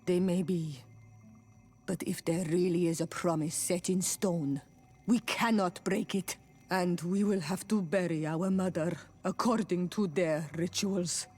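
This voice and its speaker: An actress playing a grave, careful tribal woman, a queen's daughter, in a video game, speaking solemnly and deliberately. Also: fairly low pitch, steady tone, a little mellow. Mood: grave, resigned. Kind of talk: video game cutscene acting. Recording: background music under the voice.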